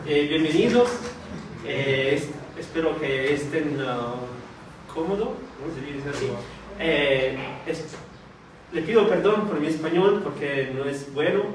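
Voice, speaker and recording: A shy man born in Italy preaches slowly and haltingly in a church hall, pausing often on fillers as he searches for words. He is far from the mic, and the hall echoes heavily around him. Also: a little high, expressive. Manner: hesitant, many fillers and restarts; soft-spoken, shy. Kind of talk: sermon with prayer. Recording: distant mic in very echoey hall, faint noise.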